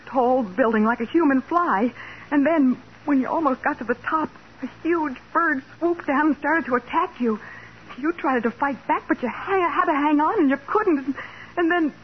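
An actress playing a detective's anxious, devoted young secretary, with an American accent and an emotive, fretful manner in 1940s radio drama style. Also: female voice, high-pitched, normal speed, close to an everyday voice. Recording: dull, noisy 1940s radio recording.

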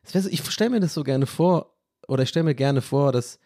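A man's voice: mid-range voice, expressive, brisk, mellow, no echo, clean studio sound. A man in his thirties with a German accent, hosting a podcast in casual, rambling chat that keeps losing its thread. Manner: rambling, loses his train of thought, self-mocking. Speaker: podcast host.

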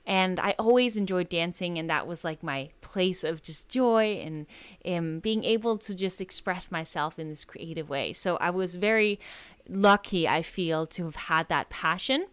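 Young danish woman on a podcast, smooth clear voice, dry close sound, chatty and effusive. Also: on the low side, measured pace, no room sound. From Denmark. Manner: warm, effusive, storytelling with fillers. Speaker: podcast guest. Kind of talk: casual interview chat.

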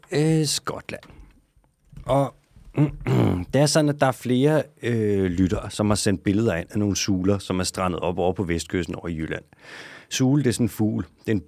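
A man's voice: lowish voice, gravelly, a little mellow, dry recording. A man from Denmark co-hosting a podcast in loose, joking casual chat, swearing now and then. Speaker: podcast co-host.

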